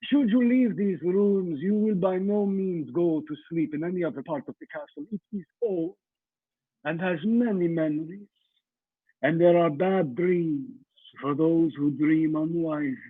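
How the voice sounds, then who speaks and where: A slow, high-voiced, menacing vampire count. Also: male voice, lively intonation, husky, no echo. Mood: ominous warning. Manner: formal, commanding, deliberate. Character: courtly, menacing male vampire count in his castle. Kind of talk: radio play acting. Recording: thin, phone-like voice recording.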